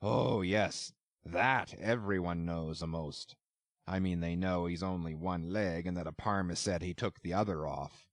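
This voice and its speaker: Man voicing a cryptic old sailor prophet, abrupt and low. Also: unhurried, no room sound, studio quality. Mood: ominous, taunting. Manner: abrupt, nervously emphatic, archaic seaman's talk.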